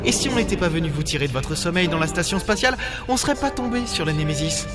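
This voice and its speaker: A man playing a grumpy space captain who is always on edge, gruff and scolding, in an audio drama. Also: on the high side, expressive, quick pace, lightly acted. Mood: stern, indignant. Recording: loud music under the voice.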